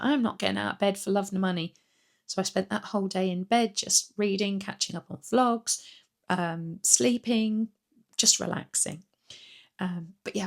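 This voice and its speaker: Croaky woman chatting casually. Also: medium pitch. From Britain. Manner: rambling, chatty, frequent ums and restarts. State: croaky from a cold. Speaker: weight-loss vlogger. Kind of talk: casual chatty vlog update.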